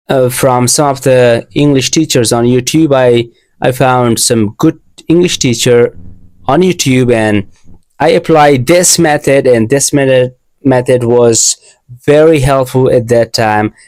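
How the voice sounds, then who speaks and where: A young Asian man, not a native English speaker, talks through his advice in an earnest, learner's English, circling back and restarting his phrases as he goes. His voice is mid-pitched and sits close to the mic in a dry, deadened space. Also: measured pace, a little mellow, no echo. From Asia. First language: an Asian language. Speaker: English teacher. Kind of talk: casual video lesson.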